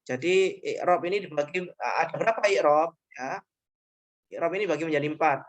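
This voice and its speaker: A man's voice: on the high side, fairly quick, highs cut off. A man teaching grammar in an online class, explaining patiently and repeating each point with short checking tags.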